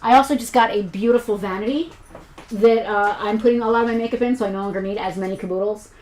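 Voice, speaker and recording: A woman from the United States co-hosting a toy shop live stream, chatting casually and rambling with quick self-corrections. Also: medium pitch, echoey room, background noise. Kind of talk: casual chat while selling items.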